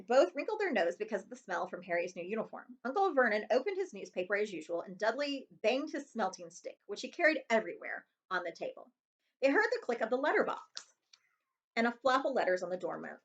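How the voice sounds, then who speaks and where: A woman reads a children's chapter book aloud. Her voice sits fairly high and swings widely in pitch as she tells the story. The recording is a little dull and lo-fi, like a homemade read-aloud. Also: a bit bright. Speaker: librarian reading aloud.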